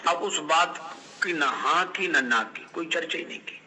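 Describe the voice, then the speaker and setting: A man's voice: on the high side, normal speed, bright, forceful tone, slight background noise, poor audio. An older man giving a devotional sermon, telling scripture stories, acting out quoted dialogue and breaking into chanted verse. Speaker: Ram Katha preacher.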